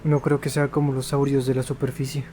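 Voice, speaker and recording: A man's voice: mid-range voice, level tone, fast talker, noisy background. A man with a Mexican accent giving casual, slangy and playful commentary on a video game. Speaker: gaming video host. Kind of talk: casual let's-play commentary. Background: faint game music.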